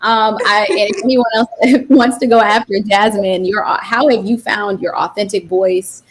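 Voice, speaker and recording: A woman moderating a panel, asking questions in a halting, encouraging way. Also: medium pitch, steady tone, husky, low-quality recording. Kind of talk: panel discussion.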